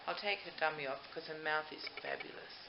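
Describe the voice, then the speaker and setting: Speaking fast in a low voice, an older doll maker chats to camera for her video, rambling and gushing as she goes. It's a home recording, and the sound is noisy, muffled, and echoey.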